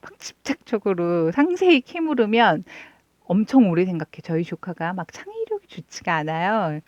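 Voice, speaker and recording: A woman hosting a knitting channel, chatting casually and rambling through stories in a soft, low-key voice as she knits. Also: no echo, muffled recording. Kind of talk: casual chat while knitting.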